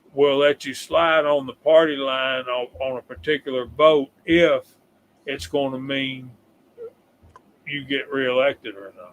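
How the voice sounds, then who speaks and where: With a Southern US accent, a man speaks at a very slow pace. His pitch is fairly high with ordinary pitch variation. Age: 60s. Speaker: podcast host. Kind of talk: casual chat. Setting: live stream.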